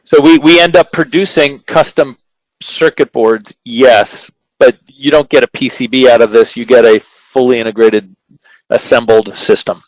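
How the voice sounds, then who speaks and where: A man with a mid-pitched voice answers technical questions about products. He explains in a measured way, stopping to think between phrases, and the sound is dry with no room echo. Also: steady tone. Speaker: company presenter answering questions.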